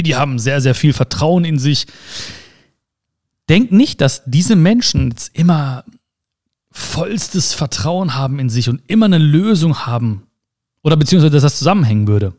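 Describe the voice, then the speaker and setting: A man's voice: a little high, normal speed, pauses often. A man giving a casual motivational monologue, talking straight to the listener with rhetorical questions and playful sound words. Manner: animated, addresses listener directly with rhetorical questions.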